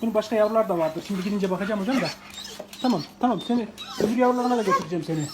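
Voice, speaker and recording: In an unscripted phone video with a noisy background, a Turkish man in his forties rescues an animal. His high voice races along as he soothes and coaxes it, repeating short words again and again.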